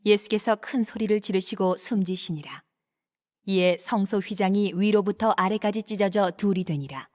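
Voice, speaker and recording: A woman narrating scripture from a script in a measured, clearly enunciated reading style. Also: medium pitch, a little mellow.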